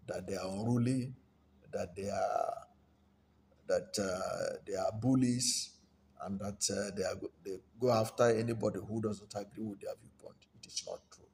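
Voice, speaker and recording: A man with a Nigerian accent giving unscripted political commentary in a halting, deliberate manner, often rephrasing himself. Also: on the low side. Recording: steady background noise, room ambience.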